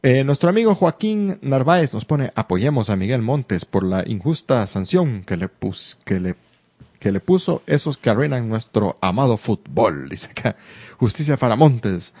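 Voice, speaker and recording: A man's voice: medium pitch, big pitch swings, moderate pace, a little mellow, dry recording. A man with a Salvadoran accent co-hosting a casual podcast, reading listener comments aloud and joking with English phrases mixed in. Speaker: podcast co-host.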